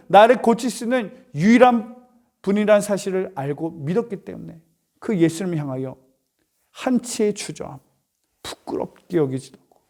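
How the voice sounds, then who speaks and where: High-voiced man preaching animatedly. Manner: animated, acts out voices, asks rhetorical questions. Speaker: pastor. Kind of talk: youth sermon, storytelling. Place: church.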